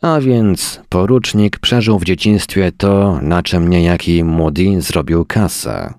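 A man's voice: sits low, slow, a little mellow, no room sound, clean studio sound. A man voicing a sardonic, hard-drinking male professor who talks in mocking, long-winded turns. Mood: storytelling.

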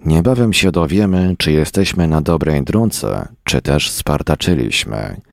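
A man's voice: very deep voice, expressive, a little slow, vocal fry, no room sound, clean studio sound, exaggerated voice. A man voicing a matter-of-fact man among a group of onlookers. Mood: resigned.

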